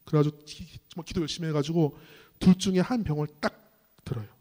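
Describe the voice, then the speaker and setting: A man delivering a sermon-style lecture in a high-pitched voice. He spins a parable and turns to address the audience directly. A long hall reverb trails every phrase. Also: quick pace, dark tone. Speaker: ministry staff speaker.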